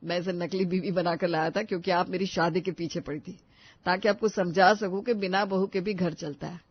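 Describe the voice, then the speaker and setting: A woman voicing a patient young man who reasons with his mother in an animated story. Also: fairly low pitch, a little fast, husky, dry recording, dull audio. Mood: reasoning. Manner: calm, reasoning, placating. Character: grown son, patient young husband.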